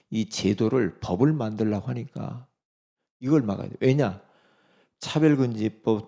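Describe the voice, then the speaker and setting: A man's voice: medium pitch, vocal fry, warm tone. A male pastor giving a sermon in an emphatic, conversational way, often asking rhetorical questions.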